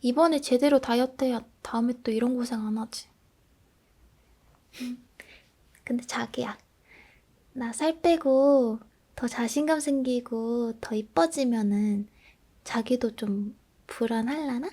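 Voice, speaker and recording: A woman in a soft role-play, playing a grumpy, sulky girlfriend who is on a diet and low on self-esteem. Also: unhurried.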